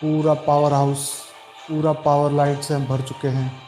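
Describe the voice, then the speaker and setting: A man speaking as a meditation guide, calm and soothing, giving slow, repetitive instructions with long pauses in Hindi. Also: a little high. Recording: roomy echo with background music. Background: meditation music.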